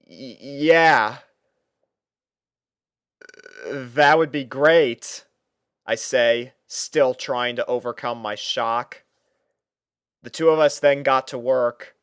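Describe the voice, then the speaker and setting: A man's voice: mid-range voice, very slow, long pauses, a bit bright, clear, resonant tone, dry recording, clean studio sound. A man reading a first-person fan fiction story as narrator, dramatising the character's thoughts.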